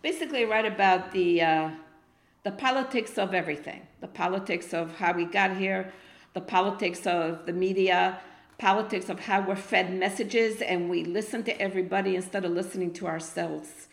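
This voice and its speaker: A woman's voice: fairly low pitch, fairly even intonation, moderate pace, gravelly. Outspoken Argentine-born woman, echoey room. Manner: outspoken, blunt and emphatic. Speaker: guest poet. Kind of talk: casual interview chat.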